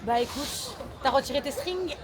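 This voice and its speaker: A woman's voice: high voice, normal speed. A woman hosting a casual travel vlog, bubbly and joking as she chats. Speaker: vlogger host. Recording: background music and crowd noise.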